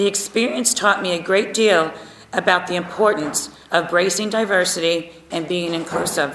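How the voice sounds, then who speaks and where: Noticeable background noise sits behind a woman speaking at a moderate pace. Her voice is medium in pitch with ordinary variation. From Kentucky. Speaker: judicial nominee, lawyer. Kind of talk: confirmation hearing statement. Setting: hearing room. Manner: formal.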